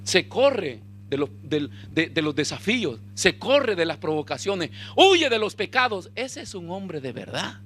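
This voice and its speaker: A pastor preaches a lively sermon in a high, widely swooping voice with a bright, sharp edge, climbing to shouts as he acts out dialogue. He keeps a measured pace with hardly any pauses, over a faint hum.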